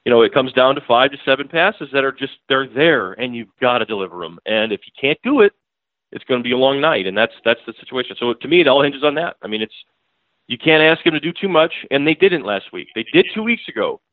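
A man's voice: mid-range voice, animated, a little fast, dry recording. A man speaks bluntly and keeps hammering his point, his voice thin and boxed in as if over a phone line. The sound is dry and close, with no room around it. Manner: emphatic, blunt, repeats points. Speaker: newspaper beat writer, guest. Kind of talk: casual podcast interview.

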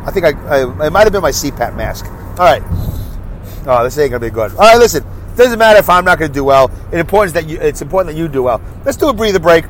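A man's voice: a little high, animated, fast, slight background noise, rough recording. Congested man rambling while driving. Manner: chatty, self-deprecating, talks to himself. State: congested, stuffy nose. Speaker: podcast host. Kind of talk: solo rambling podcast monologue. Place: in a car, driving in traffic.

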